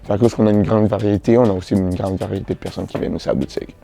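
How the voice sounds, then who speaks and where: A young man with a Québécois French accent, answering interview questions in a relaxed, slangy way, often restarting his sentences. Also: low-pitched, rapid-fire, creaky, soft background music. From Montreal, Canada. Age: teens. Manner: relaxed, slangy, repeats himself with many restarts. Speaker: boutique founder, interviewee.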